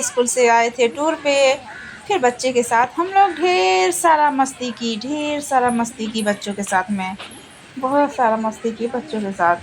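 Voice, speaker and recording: Chatty woman with a high-pitched voice. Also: slight background noise, rough recording. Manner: chatty, repeats phrases, rambling storytelling. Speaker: vlogger narrating a family trip. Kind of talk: casual travel vlog voice-over.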